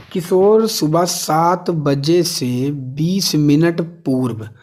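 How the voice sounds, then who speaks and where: A man's voice: on the high side, darkish tone. A man teaching an exam lesson step by step, asking questions, answering them himself and repeating key figures.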